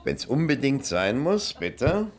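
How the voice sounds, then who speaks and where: A man's voice: medium pitch, big pitch swings, slow pace, a crowd in the background. An actor playing a shrewd, defensive tribal council chairman in a German radio drama, with a wary, dismissive manner. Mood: guarded, stubborn.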